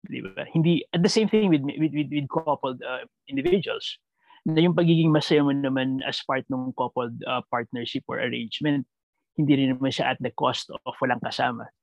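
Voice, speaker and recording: A Filipino man answering reflectively in conversational Taglish, mixing Tagalog and English, halting and repeating words as he thinks aloud with a creaky voice. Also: medium pitch, no echo, muffled recording.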